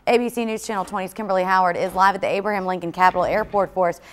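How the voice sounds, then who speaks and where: A woman's voice: mid-range voice, steady tone, very fast. A woman with an American accent reading scripted news as a studio anchor.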